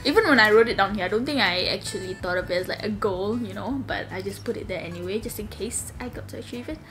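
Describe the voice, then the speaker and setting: Young woman, slightly raspy voice, casual rambling vlog chat, recorded at home, faint background music. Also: medium pitch, fast, fairly bright tone. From Malaysia. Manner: rambling, chatty, many fillers and laughs. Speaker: vlogger. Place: home room.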